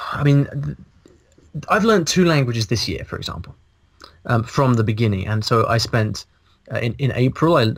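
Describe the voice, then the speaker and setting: A man in his thirties talks over a video call in a lively, thinking-aloud way, often restarting his phrases. His voice sits at a middle pitch. The sound is dry and close to the mic. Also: no room sound. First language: English. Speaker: guest, language blogger. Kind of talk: casual interview. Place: small room indoors. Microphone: video call, earphones, mic in front.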